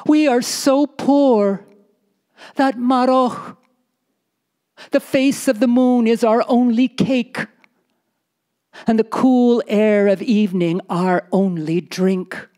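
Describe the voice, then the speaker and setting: A woman's voice: fairly high pitch, fairly even intonation, takes it slowly, pauses often, dark tone, voice pushed up. A woman storyteller voicing the poor, anxious wife of a desert nomad, pleading and insistent. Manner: pleading, repeating "husband" with rising intensity.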